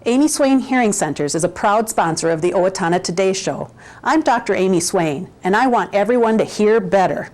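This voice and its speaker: A woman's voice: medium pitch, animated, fairly quick, a little mellow. A woman speaks in a local sponsor spot. Her voice is mid-range and she delivers a short scripted message as the business's own representative.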